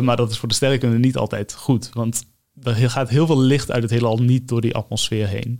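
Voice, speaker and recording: In monotone, flat intonation, a man keeps to a medium pitch and a moderate pace. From southern Limburg, Netherlands (Maastricht). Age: 20s. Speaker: astronomer, PhD researcher. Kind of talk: interview. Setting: studio. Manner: hesitant, repeats words.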